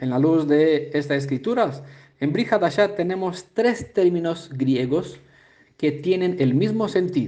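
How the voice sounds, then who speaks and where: With a non-native accent, a man speaks at a moderate pace in a dark, mellow tone with lively intonation. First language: not Spanish (speaking Spanish). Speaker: bible teacher. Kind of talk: teaching. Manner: halting, frequent 'eh' fillers.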